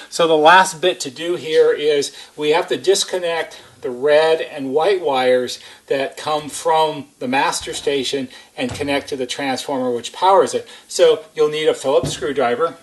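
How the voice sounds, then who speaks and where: A man with a voice on the high side gives a hands-on how-to demonstration as a repair technician. He works methodically, step by step, stressing the key points.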